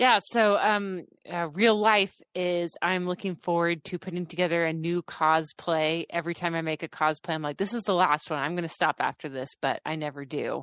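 In a plain, everyday voice, a woman speaks at a moderate pace and a fairly low pitch, with ordinary pitch variation. The sound is dry and close with no echo, and the background is quiet. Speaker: podcast panel guest. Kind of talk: casual chat.

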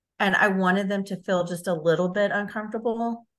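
A woman with an unremarkable speaking voice, medium pitch and a fairly quick pace against a quiet background. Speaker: caregiver and podcast co-host. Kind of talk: casual chat.

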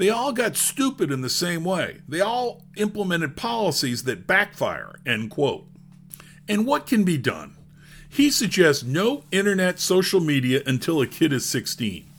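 A man's high voice with very wide pitch swings, fairly slow pace, and music in the background. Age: 60s. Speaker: podcast host, news commentator. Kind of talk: solo news commentary.

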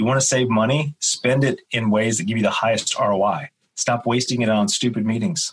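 A man speaks with very even loudness. His voice is somewhat breathy. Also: medium pitch for a man, ordinary pitch variation, moderate pace. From US (army family, moved often). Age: 40s. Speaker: futurist and speaker. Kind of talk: casual interview chat.

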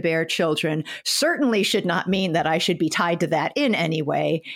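This is an ordinary speaking voice, delivered at a moderate pace with ordinary pitch variation. The recording is very clean, with a silent background. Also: woman. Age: 60s. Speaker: author. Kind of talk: interview.

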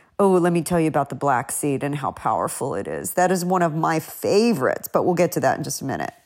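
A woman speaks in a very deep, low voice with vocal fry. Her delivery is very fast, with lively intonation. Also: hardly any pauses, very clean recording, silent background. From Egypt. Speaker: chef and food podcast host. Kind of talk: casual solo podcast talk.

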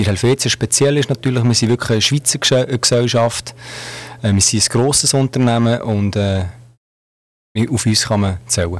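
A man speaks at a moderate pace in a medium pitch, with ordinary pitch variation. His loudness stays very even, and he takes long, frequent pauses. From Switzerland, Canton Solothurn. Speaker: insurance agency manager. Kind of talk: radio interview. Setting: radio studio.

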